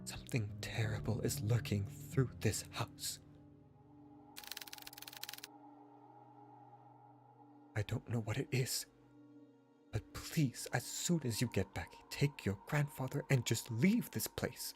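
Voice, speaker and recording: A man voicing a frightened woman caretaker in a visual novel, urgently pleading and dropping into hushed tones. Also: medium pitch, measured pace, soft background music, lightly acted. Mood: hushed fear. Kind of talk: visual novel character reading.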